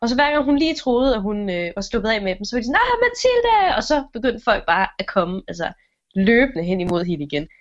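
Woman telling a tale, lo-fi sound. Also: mid-range voice. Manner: animated, acts out the characters' lines. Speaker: storyteller. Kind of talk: improvised storytelling with a friend. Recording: dull lo-fi recording.

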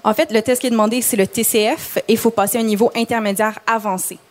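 A woman explaining immigration rules calmly on a TV panel. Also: fairly high pitch. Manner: measured, explanatory. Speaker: panel guest, immigration professional.

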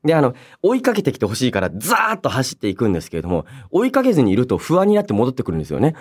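A man presents a solo radio show with a very lively, swinging pitch in a mid-range voice. He moves between reading out mail and chatting in polite, conversational phrasing, with emphatic reactions and softer asides. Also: rapid-fire.

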